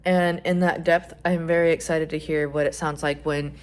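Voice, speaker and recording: A young trans man chatting casually in a vlog, rambling with lots of fillers and some swearing, his voice rising when he gets excited. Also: moderate pace, clear, resonant tone. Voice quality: voice still fairly high, rising when excited. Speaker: vlogger.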